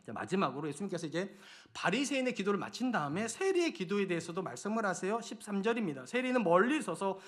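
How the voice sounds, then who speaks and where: A middle-aged man preaching a Sunday sermon as senior pastor. He swings between loud, urgent pleading and hushed near-whispers. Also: high-pitched, very animated, quick pace, hardly any pauses.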